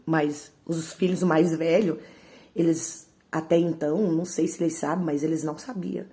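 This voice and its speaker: A woman's voice: sits low, steady tone, normal speed. Woman's emotional church testimony. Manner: swings between hushed, trembling storytelling and loud, pleading outbursts; repeats phrases and leans on tag questions. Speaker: missionary singer giving a church testimony. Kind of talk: emotional personal testimony to a congregation.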